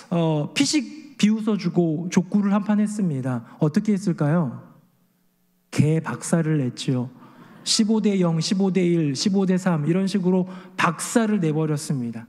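A man's voice: high-pitched, dark tone. A man in his forties, a senior pastor, preaching a Sunday sermon, telling stories and putting questions to the congregation. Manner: storytelling with acted quotes and questions to the congregation. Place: church sanctuary. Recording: long church hall reverb.

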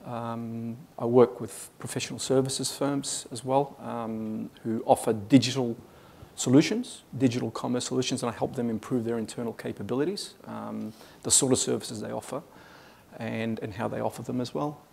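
Gravelly Australian man presenting. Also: mid-range voice, fairly even intonation, normal speed, darkish tone, a little hiss or hum. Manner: hesitant, many fillers and restarts. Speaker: conference speaker. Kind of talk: business presentation. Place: conference hall stage.

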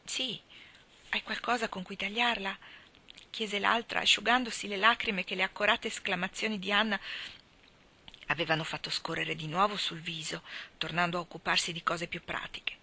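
A woman narrating an audiobook with expressive storytelling that sometimes drops to soft tones. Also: on the low side, brisk, gravelly. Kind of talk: audiobook reading.

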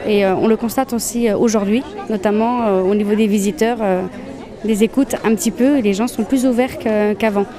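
A woman's voice: medium pitch, fairly even intonation, a little fast. A woman organizer answering interview questions, hesitant and full of fillers. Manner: hesitant, many fillers and restarts. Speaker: event organizer. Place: busy exhibition hall. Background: crowd chatter.

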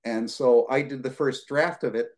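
A man in his sixties from the United States, answering questions as a guest lecturer on a video call from his living room, relaxed and rambling with many fillers. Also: mid-range voice, moderate pace. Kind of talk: conversational Q&A answer.

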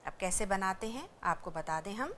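A woman's voice: medium pitch, sing-song, moderate pace, a bit bright, slight background noise. A woman teaching a language lesson, explaining patiently and repeating syllables one by one for students to practice. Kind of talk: educational lecture.

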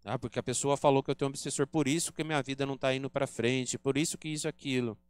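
At a spiritist center, a Brazilian Portuguese–accented man delivers an earnest lecture on spiritism, teaching and acting out quotes. He talks quickly in a medium pitch with fairly even intonation, his voice clear and resonant. The recording is dry.

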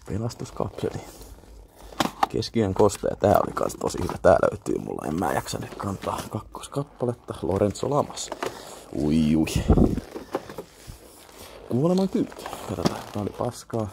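Young Finnish man, low and gravelly, mumbling half-whispered asides, noisy camera mic. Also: big pitch swings. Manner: mutters to himself, half-whispered asides, swears offhand. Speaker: vlogger browsing a flea market. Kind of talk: casual muttered commentary to camera. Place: indoor flea market.

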